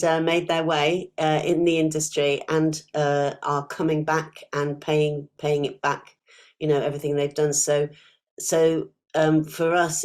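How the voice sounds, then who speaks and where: A woman speaking for an arts organisation, explaining informally in a halting, conversational way. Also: deep voice. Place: online video call.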